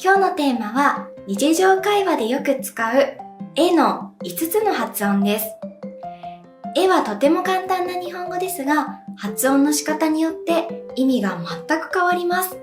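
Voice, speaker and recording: A woman teaching as a language teacher, speaking clearly and deliberately and demonstrating sounds for viewers to repeat. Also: sits high, animated, music in the background. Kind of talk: slow, clear pronunciation lesson. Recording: echoey room.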